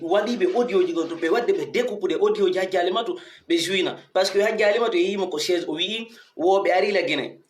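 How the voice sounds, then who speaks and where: A fairly high-voiced man talks informally to his followers. He is emphatic, throwing out rhetorical questions, and the room adds a strong echo. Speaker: online commentator addressing followers. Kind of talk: informal commentary monologue to followers. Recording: echoey untreated room.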